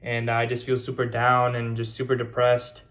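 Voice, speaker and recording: A man's voice: mid-range voice, completely flat delivery, moderate pace, fairly bright tone. Young man rambling through a vlog. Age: 20s. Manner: rambling with many fillers and restarts. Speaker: YouTuber. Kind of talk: casual vlog monologue.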